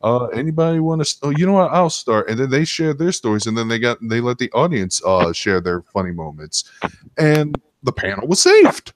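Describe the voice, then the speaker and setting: A man's voice: medium pitch, very animated, brisk, no room sound. A man hosting a casual stream, telling stories in a rambling, sometimes profane way. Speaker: stream host. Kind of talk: casual storytelling chat.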